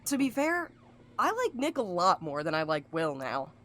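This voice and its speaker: A woman's voice: lowish voice, wildly swooping pitch, moderate pace, fairly bright tone. A woman playing a blunt, sardonic courier with an impatient streak in an audio drama. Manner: blunt, sarcastic. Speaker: voice actor in a fiction podcast. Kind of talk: scripted audio drama acting.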